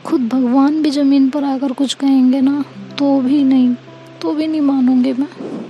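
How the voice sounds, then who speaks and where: A woman's voice: sits high, fairly even intonation, unhurried, warm tone, dull audio, faint music behind. A woman voicing a young woman in love who teases, blushes and pleads, mixing English phrases into her speech. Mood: pleading. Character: young woman, teasing and shy lover, later apologetic.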